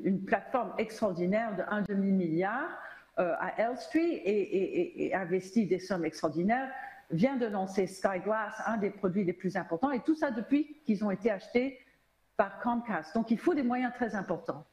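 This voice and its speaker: A woman's voice: medium pitch, animated, moderate pace, darkish tone. Emphatic American-born woman, echoey hall. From United States. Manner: emphatic, many restarts, English words mixed in. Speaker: media analyst panelist. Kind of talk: panel discussion. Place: auditorium stage.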